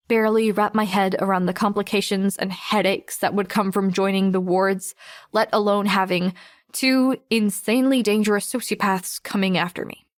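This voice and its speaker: A woman playing a weary, guarded teenage girl superhero who narrates her own story in a measured, introspective audiobook style. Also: mid-range voice, no room sound, clean studio sound, natural voice. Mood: weary, reflective. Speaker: narrator and lead voice actor. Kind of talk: first-person audiobook narration.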